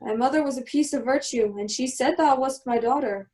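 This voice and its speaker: A woman playing a commanding exiled magician and protective father, giving a measured, solemn reading of Shakespearean verse for an amateur radio play. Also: sits high, a little mellow, lightly acted. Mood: solemn recounting.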